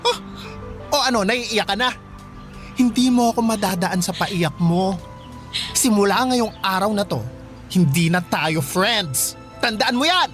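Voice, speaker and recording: A woman playing a feisty, sarcastic gay high school boy in a radio drama, with a dramatic, taunting, campy delivery. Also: lively intonation, measured pace, soft background music, lightly acted. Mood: scornful, hurt.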